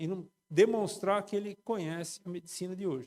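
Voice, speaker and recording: Here a man speaks at a moderate pace with a high pitch. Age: 70s. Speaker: anesthesiology professor. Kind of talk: panel talk. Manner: animated.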